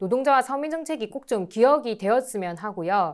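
The woman's high voice swings very widely in pitch at a moderate pace. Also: quiet background. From South Korea, Changwon (Gyeongnam); South Korea. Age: 20s. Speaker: youth party official; panelist. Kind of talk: panel discussion. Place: studio. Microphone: lapel.

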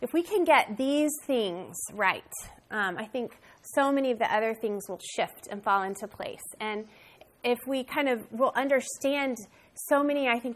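Pitch shifts in an ordinary way as the speech proceeds at a moderate pace. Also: woman. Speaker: Bible study teacher. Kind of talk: teaching talk. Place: home room.

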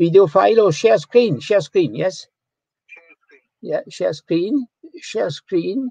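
A high-pitched man with a dark, mellow tone, at a very slow pace with lively intonation and big swings in loudness, in a dry sound with no echo against a quiet background. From France. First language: French. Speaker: agricultural scientist; webinar speaker. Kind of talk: lecture. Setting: video call. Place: home room. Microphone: video call.

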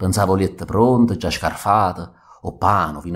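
The background is silent on this very clean recording. A man does the talking. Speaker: poetry reader. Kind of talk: poetry reading in Neapolitan verse.

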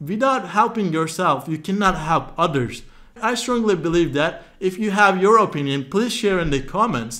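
In a quiet background, a man raises and projects his high voice, bright and sharp in tone, with lively intonation at a moderate pace. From Turkey. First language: Turkish. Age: 20s. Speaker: online business coach and YouTuber. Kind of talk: tutorial. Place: home room. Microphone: webcam.

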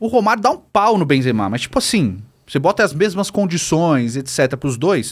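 Against a quiet background, a man with a high pitch talks at a moderate pace with very wide pitch swings. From Brazil. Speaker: football YouTuber. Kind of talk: casual chat. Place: studio. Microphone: studio mic.

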